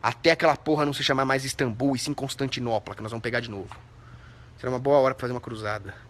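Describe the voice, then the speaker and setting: With a mid-range, steady voice and a very fast delivery, a young Brazilian man runs a live stream against slight background noise. He shouts out viewers' names while reading their comments, then launches into indignant rants full of profanity, his accent Brazilian Portuguese.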